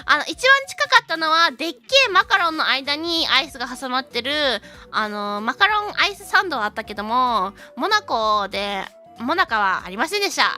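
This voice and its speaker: A woman's voice: high-pitched, sharp tone. A woman streamer and native English speaker chatting casually on a livestream, telling stories animatedly and switching between Japanese and English. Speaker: VTuber streamer.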